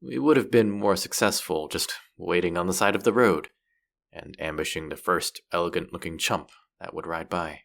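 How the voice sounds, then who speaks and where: A man's voice: sits low, normal speed, creaky, a bit bright. A man playing a cocky, bratty street-rat rogue in a fantasy roleplay audio drama, teasing and foul-mouthed as he talks straight to the listener. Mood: playful banter.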